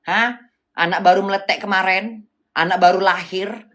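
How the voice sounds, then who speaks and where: A woman's voice: medium pitch, steady tone, moderate pace, a bit bright. Blunt scolding woman. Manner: blunt, scolding, coarse, with rhetorical "hah?". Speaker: livestream host. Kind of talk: casual livestream rant.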